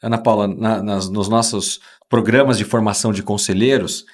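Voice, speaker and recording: A man's voice: on the low side, fairly even intonation, moderate pace. A man hosting a podcast interview, talking with enthusiasm and emphasis. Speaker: host.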